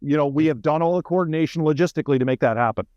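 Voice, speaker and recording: A man's voice: a little high, very fast, a little mellow, dry recording, lo-fi sound. A middle-aged man with a Canadian accent talks informally as an interview guest, explaining through anecdotes and wry asides. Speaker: senior military officer, interview guest.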